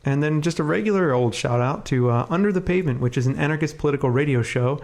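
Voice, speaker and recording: A man co-hosting a podcast in a relaxed, chatty way, sounding congested and sniffly from a cold and leaning on fillers. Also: fairly high pitch, fast. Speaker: podcast co-host. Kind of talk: casual podcast chat.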